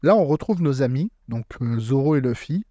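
A man co-hosting a casual podcast chat, retelling a manga chapter with lively asides. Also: medium pitch, moderate pace, dry recording. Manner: animated retelling, laughing while acting out scenes. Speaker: podcast co-host.

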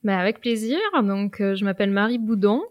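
A woman guest on a podcast interview, speaking with a regional French accent, hesitant and filling pauses often. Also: mid-range voice, steady tone, dry recording, dull audio. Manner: hesitant, many "euh" and "du coup" fillers. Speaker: guest, watercolor teacher.

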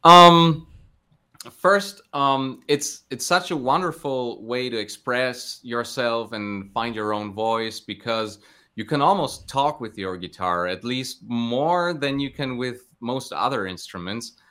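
A man speaks as an interview guest in a smooth, bright voice. He phrases his answers casually and thoughtfully, often hesitating as he goes. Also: mid-range voice, takes it slowly. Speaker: interview guest, guitar teacher.

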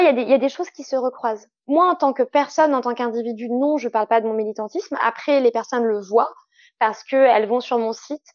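A woman in a fairly high voice. She explains her points emphatically, in the conversational way of a podcast guest. The sound is close and dry, slightly muffled and lo-fi. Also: darkish tone, no room sound. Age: 30s. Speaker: interviewed guest, clinical sexologist.

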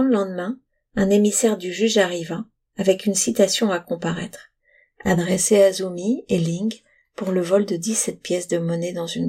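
A woman narrates a storybook at a calm, even pace. Her voice is warm and husky with a gravelly edge. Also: lowish voice. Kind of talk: reading a storybook aloud.

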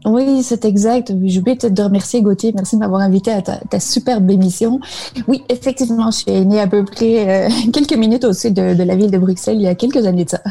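Woman guest from Belgium, dark husky tone, halting delivery. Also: medium pitch. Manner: halting, many restarts. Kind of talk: casual interview talk. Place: remote recording from Canada.

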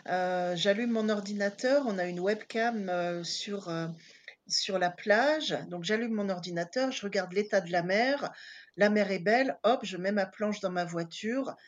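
A woman in her fifties, originally from Paris, talks through her story in a relaxed interview. Her voice has a husky, slightly breathy grain at an ordinary middle pitch. She pauses often on fillers as she thinks aloud. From Paris, France. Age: 50s. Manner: chatty, many hesitant fillers. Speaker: interview guest. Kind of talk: casual interview chat.

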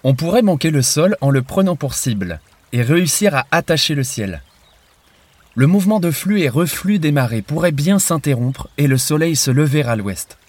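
A man's voice: fairly high pitch, animated, normal speed, darkish tone, no room sound. A man solemnly reading a religious quotation aloud for a podcast.

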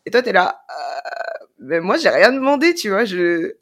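A young woman from Brussels, hosting a podcast and telling stories lively, acting out exchanges. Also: medium pitch, measured pace. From Brussels, Belgium. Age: young adult. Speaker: podcast host. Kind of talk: casual podcast conversation.

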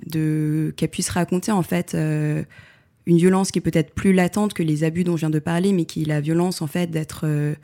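A woman photographer answering interview questions in a reflective way, pausing often with fillers and restarting her sentences. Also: low voice, fairly even intonation, mellow. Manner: hesitant, many fillers and restarts.

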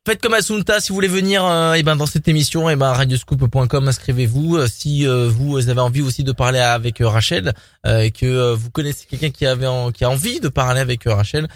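A man's voice: mid-range voice, fairly even intonation, fairly quick, dry recording. A man hosts a radio phone-in and gives listeners instructions, stalling often with fillers. His voice is close and dry on a studio mic. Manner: hesitant, filler-heavy announcing. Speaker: radio host. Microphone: studio microphone.

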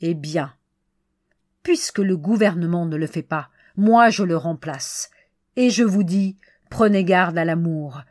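A woman reading the part of an excitable middle-aged male clerk who warns a stranger about love, in an emphatic, insistent way. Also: on the low side, unhurried, no echo, studio quality.

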